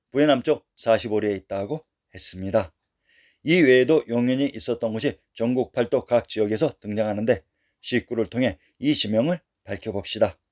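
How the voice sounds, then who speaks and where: A man's voice: medium pitch, a little mellow. A man giving scripted history narration, reading long lists of place names in an earnest, insistent lecturing tone.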